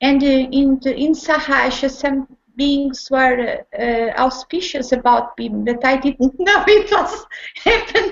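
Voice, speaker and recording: High-pitched woman with a non-native accent, lively intonation and a fairly slow pace. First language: not English. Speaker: satsang participant. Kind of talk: spiritual dialogue. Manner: halting.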